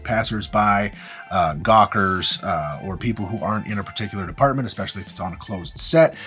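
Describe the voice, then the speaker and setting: A man's voice: lowish voice, fairly bright tone. A man presenting an instructional video, explaining things emphatically and restating key points in a structured way. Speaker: video host, tutorial presenter. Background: background music.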